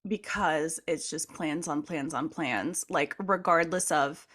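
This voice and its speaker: A woman's voice: sits low, takes it slowly, a bit bright. A woman co-hosting a casual chat podcast, playful and jokey, with frequent fillers. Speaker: podcast co-host.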